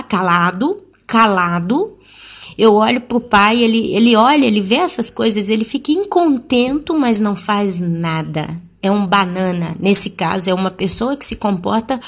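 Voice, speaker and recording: A woman in her thirties or forties tells a personal testimony to her congregation, telling the story vividly. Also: on the high side. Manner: animated, acting out the people she quotes. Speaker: church speaker giving a testimony.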